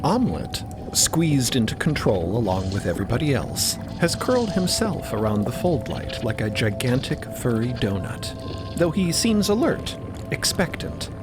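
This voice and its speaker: A man giving expressive scripted narration for an audio drama. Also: medium pitch, moderate pace. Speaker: narrator and voice actor. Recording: music behind.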